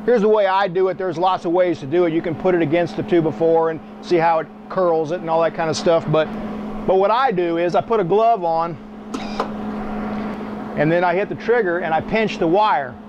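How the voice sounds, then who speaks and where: A man's voice: high voice, a little fast, highs cut off, noisy background. A middle-aged man giving a hands-on welding tutorial in a small workshop, blunt and folksy, working the machine as he talks. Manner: demonstrating at the machine while talking. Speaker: welding instructor.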